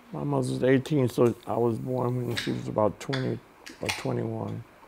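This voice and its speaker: This man has an American accent and speaks at a moderate pace. Noticeable background noise is present. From US South. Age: 80s+. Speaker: jazz musician. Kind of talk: lecture. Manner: halting.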